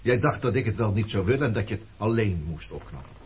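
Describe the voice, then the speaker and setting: A man's voice: on the low side, animated, fast talker, a little mellow, breathy edge. An actor playing a blunt, reproachful man questioning his former lover in a Dutch radio play. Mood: insistent. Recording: muffled, noisy old radio recording.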